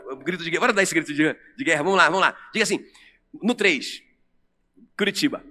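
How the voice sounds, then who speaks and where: A man with a Brazilian Portuguese accent preaching an animated sermon to a congregation in a church. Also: on the high side, fast talker, slight background noise. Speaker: pastor. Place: church sanctuary. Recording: long church reverb with music under.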